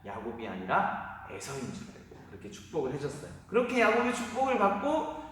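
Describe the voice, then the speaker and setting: A pastor, a man, telling a Bible story as a children's sermon, animated and often asking the listeners questions. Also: on the high side, a little fast. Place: church sanctuary. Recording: echoey hall from far off.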